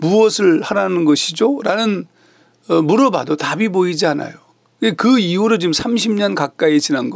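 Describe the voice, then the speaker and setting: A man talks at a moderate pace in a high pitch. His intonation is lively. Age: 60s. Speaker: pastor. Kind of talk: devotional talk. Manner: conversational, with hesitations.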